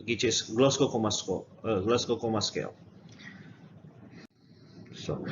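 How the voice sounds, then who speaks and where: Indonesian-accented man presenting, dull noisy recording. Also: medium pitch. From Medan, North Sumatra, Indonesia. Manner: halting, with repeated words and non-native phrasing. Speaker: doctor presenting research. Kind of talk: scripted academic conference presentation. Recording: dull lo-fi audio with background noise.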